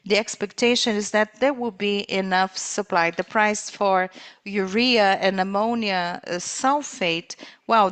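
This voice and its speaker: Slow, halting woman interpreting business talk. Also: medium pitch, a bit bright. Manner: halting, phrase-by-phrase delivery with mid-sentence pauses.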